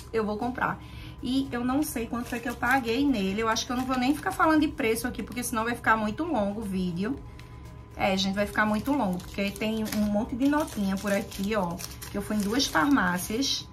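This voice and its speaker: A woman's voice: fairly high pitch, fairly bright tone. A woman in her thirties with a Brazilian Portuguese accent, chatting informally to camera as a beauty vlogger, often checking in with viewers. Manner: chatty, informal, frequent tag questions to viewers. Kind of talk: casual chat to camera, product haul. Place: walk-in closet at home, indoors.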